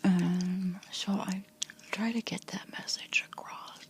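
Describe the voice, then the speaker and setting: A middle-aged woman whispering softly to her viewers in a rambling vlog chat, full of restarts and fillers. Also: medium pitch, fairly even intonation, takes it slowly. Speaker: vlogger.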